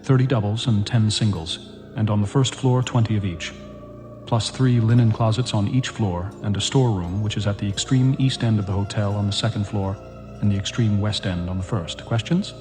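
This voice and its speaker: A man's voice: on the low side, voice pushed down, close to an everyday voice. A man putting on a pompous, scholarly hotel manager. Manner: precise, deliberate tour-guide delivery. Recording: music playing under the voice.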